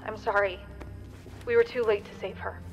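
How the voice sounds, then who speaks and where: A woman playing a steady, caring space crew leader in a sci-fi audio drama. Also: medium pitch, normal speed, long reverb tail, faint music behind, natural voice. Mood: calm, reassuring.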